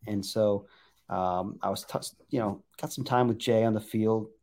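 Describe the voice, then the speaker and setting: A man's voice: on the low side, fairly even intonation, normal speed, darkish tone. A man who writes about baseball telling an anecdote on a podcast, rambling with frequent restarts.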